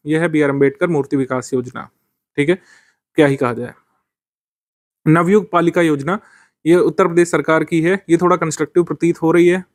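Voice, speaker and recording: A man's voice: a little high, dry recording. A man teaching current affairs for a civil services exam, explaining step by step with frequent fillers.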